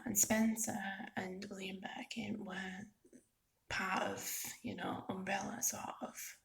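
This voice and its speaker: A woman gives a casual, soft-spoken ASMR ramble as a gaming vlogger, halting and informal, often slipping into a breathy near-whisper. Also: mid-range voice, low-quality recording. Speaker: video game vlogger.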